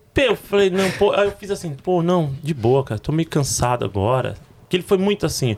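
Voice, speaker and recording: At a moderate pace, a man with a high pitch speaks with very wide pitch swings. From Brazil, São Paulo. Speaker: musician. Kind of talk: casual interview chat.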